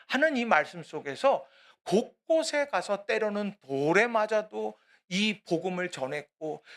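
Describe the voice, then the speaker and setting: A man's voice: sits high, sharp tone. A male pastor preaching a sermon in a church, dropping to near-whispers and then rising to emphatic, raised lines. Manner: quotes Scripture and children in small acted voices. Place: church sanctuary.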